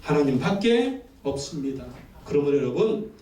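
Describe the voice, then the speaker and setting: A male pastor preaches with emphasis, stacking repeated phrases and calling for responses. His voice sits high for a man. It carries through a roomy church sanctuary and is picked up from some way off. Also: very animated, moderate pace, warm tone. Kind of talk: sermon. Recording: echoey church from a distance.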